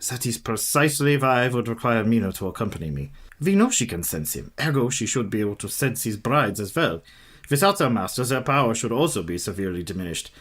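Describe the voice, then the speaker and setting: A man playing a husky, lecturing old professor. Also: mid-range voice, animated, quick pace, a bit bright. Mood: grave, lecturing. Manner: formal, lecturing, old-fashioned phrasing. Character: learned elderly male professor, vampire hunter. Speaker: mentor leading the hunters. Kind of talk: community radio play acting.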